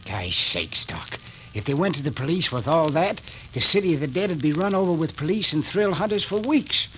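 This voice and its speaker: An actor playing a stubborn, gruff country mayor in an old radio drama, speaking bluntly in plain rural talk. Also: male voice, fairly high pitch, animated, brisk, a bit bright. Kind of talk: 1940s radio acting. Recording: old radio recording with hiss.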